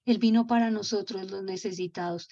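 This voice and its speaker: A woman doing a gentle fatherly shoemaker spirit. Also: medium pitch, steady tone, fairly quick, lo-fi sound, natural voice. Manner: gentle, coaxing. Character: kind old male shoemaker spirit, fatherly guide.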